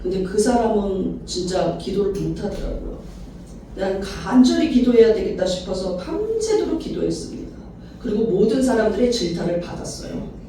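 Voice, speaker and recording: A woman pastor giving an animated sermon at a church retreat, acting out the cries she quotes. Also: mid-range voice, normal speed, a little hiss or hum. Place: church sanctuary. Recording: echoey hall, mic at a distance.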